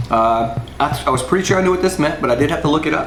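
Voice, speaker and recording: Music plays behind the voice. A man talks with audible room echo. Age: 30s. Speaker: taekwondo instructor. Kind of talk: casual Q&A video. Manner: fast; casual, many fillers.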